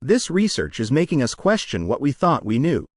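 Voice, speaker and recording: A man reads standalone test sentences aloud for dictation practice. His mid-range voice moves in an animated way and his words are carefully pronounced. The recording is close and dry. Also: medium pitch, moderate pace, no echo.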